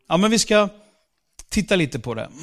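A man giving a conversational church sermon, slowing down for scripture and sometimes raising his voice for emphasis. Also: a little high, big pitch swings. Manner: conversational preaching with fillers, slows for scripture, bursts louder for emphasis. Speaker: pastor.

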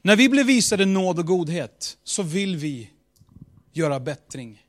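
Male preacher, sermon, emphatic repeated build-ups, fairly high voice. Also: very animated. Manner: casual asides, restarts.

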